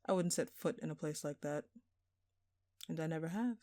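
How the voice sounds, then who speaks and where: A woman's voice: low voice, moderate pace, warm tone, no echo, clean studio sound, natural voice. A woman playing a smug, flirtatious jewel thief in an audio roleplay, teasing and theatrical, with playful sarcasm. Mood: feigned innocence. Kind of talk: intimate scripted audio roleplay.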